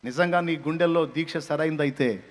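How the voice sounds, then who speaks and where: A man preaching a fiery motivational sermon, scolding his listeners with repeated phrases that build to loud rebukes. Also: on the high side, fairly quick, in a large hall. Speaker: pastor.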